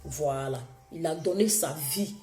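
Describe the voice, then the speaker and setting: A woman preaching a sermon, hoarse from a cold, exhorting her listeners with emphatic repetition. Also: sits low, unhurried, warm tone, reverberant, soft background music.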